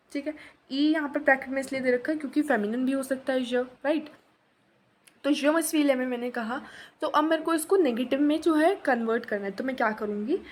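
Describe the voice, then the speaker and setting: A young woman with a high voice walks through French grammar in an online lesson. She explains each step patiently, poses little questions and answers them herself, and slips English phrases into her talk. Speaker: French teacher.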